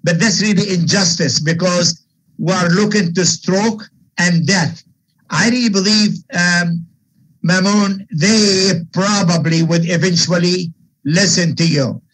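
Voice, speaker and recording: Older male surgeon-lecturer, Arab American accent. High, husky voice, emphatic and opinionated in Q&A. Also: measured pace, a bit bright, low-quality recording. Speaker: guest lecturer, vascular surgeon. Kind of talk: webinar question and answer.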